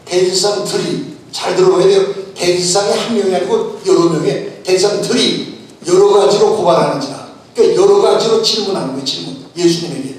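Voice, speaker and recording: High-voiced pastor preaching in an echoing hall. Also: male voice, a little fast. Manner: emphatic, urging listeners to listen closely, many rhetorical questions. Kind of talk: sermon. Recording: echoey hall from far off, faint noise.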